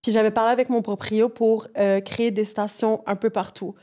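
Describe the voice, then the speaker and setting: A woman talks as a guest in a relaxed interview. Her voice is soft-edged and mellow, and she speaks informally, slipping English music terms into her storytelling. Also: medium pitch, moderate pace. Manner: informal, mixes English music slang into French. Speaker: guest, music project producer.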